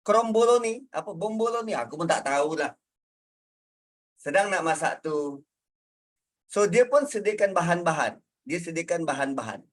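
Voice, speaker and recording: A man's voice: fairly high pitch, expressive, normal speed, pauses often. A man with a Malaysian Malay accent giving a conversational religious lecture. He explains word meanings through everyday examples. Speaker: religious teacher.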